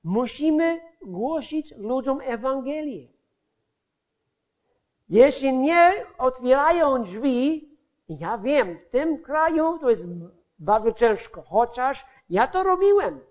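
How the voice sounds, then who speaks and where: A man with an unusually high voice shares his testimony as an evangelist. He speaks slowly and hesitantly, and he keeps pausing and restarting sentences as he hunts for the right words. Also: very animated, darkish tone. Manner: halting, searching for words, many restarts. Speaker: street evangelist. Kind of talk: personal testimony in a sermon.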